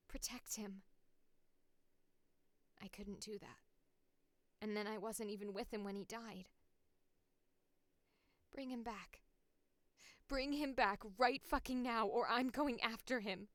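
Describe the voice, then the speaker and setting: A woman's voice: mid-range voice, steady tone, takes it slowly, long pauses, dry recording, lightly acted. A woman voicing a tough, hot-headed, fiercely loyal action character in a punchy, dramatic audition read. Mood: anguished, defiant. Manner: punchy, forceful delivery.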